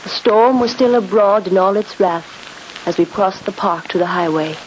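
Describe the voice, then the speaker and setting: An actress narrating as a young woman recalling a terrifying escape, in measured storytelling, in an old radio drama. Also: medium pitch, a little hiss or hum, lightly acted, poor audio. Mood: solemn. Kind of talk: 1940s radio acting.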